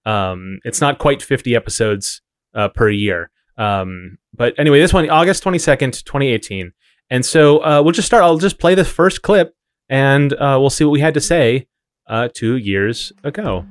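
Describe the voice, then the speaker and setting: A man's voice: medium pitch, animated, normal speed, no room sound, studio quality. A man co-hosting a podcast in casual chat, with a wry, rambling way of explaining things. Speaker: podcast co-host.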